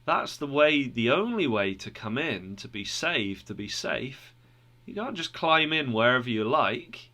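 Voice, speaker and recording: A man's voice: medium pitch, animated, unhurried, pushed and bright. Christian, a man doing an earnest pleading pilgrim.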